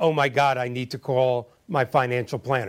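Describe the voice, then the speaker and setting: An ordinary speaking voice. The pace is moderate. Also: man. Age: 60s. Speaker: TV show host. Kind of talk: panel discussion, TV show host. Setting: studio.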